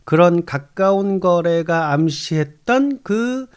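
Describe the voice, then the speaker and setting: Man slowly teaching an English story. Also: high voice, animated, clear, resonant tone. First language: Korean. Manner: reads English phrases very slowly, then explains in Korean. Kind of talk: reading and explaining an English short story.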